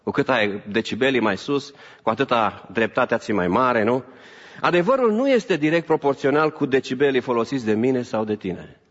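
A man preaches to his congregation, climbing to emphatic peaks and then dropping to quiet asides, with English phrases slipped in. His voice carries through a reverberant church hall. The recording is dull and muffled, with a lo-fi quality. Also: medium pitch, lively intonation. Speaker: pastor. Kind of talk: sermon.

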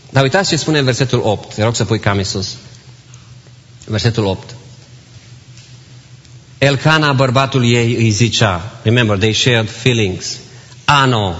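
A man's voice: mid-range voice, a bit bright, long reverb tail, dull audio. A man preaching a sermon to his congregation, asking rhetorical questions and dropping English phrases into his talk. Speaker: pastor. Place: church.

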